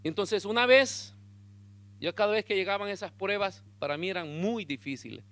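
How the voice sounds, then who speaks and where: A man preaching a sermon as pastor, telling a story in an animated way and calling his listeners brother. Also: high voice, normal speed, no echo.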